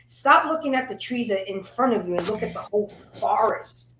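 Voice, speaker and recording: A woman's voice: medium pitch, lively intonation, moderate pace, a bit bright, echoey room, a little hiss or hum, poor audio. A woman on a casual panel chat who talks emphatically, swears freely and stumbles over repeated words when she gets worked up.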